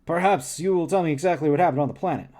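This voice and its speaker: A man's voice: a little high, very fast, darkish tone, close to an everyday voice. A man voicing a commanding male starship captain with a pointed, questioning manner. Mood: probing.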